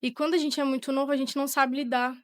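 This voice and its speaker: Teen girl w brazilian accent telling her testimony, highish voice, kinda halting, very dry sound. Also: little pitch movement, no echo. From Portugal, born to a Brazilian family. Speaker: podcast guest, young church singer. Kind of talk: personal testimony in conversation.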